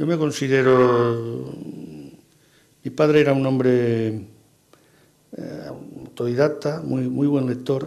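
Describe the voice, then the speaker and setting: A man's medium-pitched voice at a very slow pace, with fairly even intonation, long, frequent pauses and audible room echo. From Mallorca, Spain. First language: Mallorcan Catalan (speaking Spanish). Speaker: writer and essayist. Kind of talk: public conversation.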